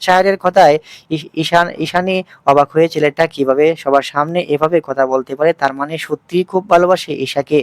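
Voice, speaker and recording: A man reads a family drama aloud in a steady storyteller's manner, stumbling now and then. His voice is a touch high for a man. The sound is dry and close. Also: fairly quick, clear, resonant tone, no echo. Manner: steady narration with occasional slips.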